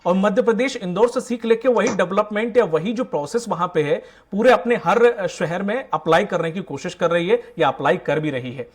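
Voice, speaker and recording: A man's voice: sits high, moderate pace, hardly any pauses. A man anchoring a televised political debate, putting probing questions to the panel. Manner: probing questions, brief acknowledgements.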